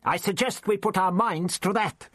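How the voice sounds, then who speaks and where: A man voicing a crotchety, lofty elderly time traveller, with a husky voice in a dismissive, lecturing manner. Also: high voice, normal speed, a bit bright, no room sound, clean studio sound, voice pushed up. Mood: testy.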